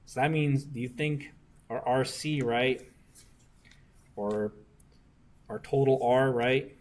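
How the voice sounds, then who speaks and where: Going slowly through circuit homework for a class, this young man, an engineering discussion instructor, keeps checking understanding with a repeated "right?" His voice is medium in pitch and slightly mellow.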